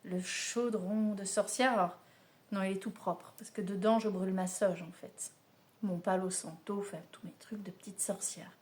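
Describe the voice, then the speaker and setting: A woman's voice: medium pitch, steady tone, normal speed, darkish tone. A woman giving a casual spiritual oracle card reading to camera, chatty and familiar, speaking straight to the listener. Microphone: camera mic, filmed mirrored.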